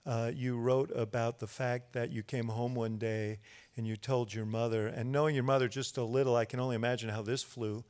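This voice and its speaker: A man in his sixties hosting a live interview on stage, asking questions with many pauses and fillers into a handheld mic. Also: mid-range voice, a little mellow. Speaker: interview host. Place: large hall on a stage before an audience. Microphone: handheld microphone.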